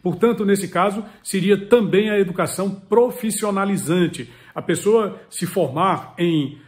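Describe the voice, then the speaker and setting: A man's voice: sits high, a little slow, a little mellow. A man, giving earnest, instructive advice straight to the camera from a home study, repeating key words for emphasis. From Piauí, Brazil. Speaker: political commentator and channel host. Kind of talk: direct-to-camera advice talk. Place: home study with full bookshelves. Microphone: webcam or phone close up, head and shoulders.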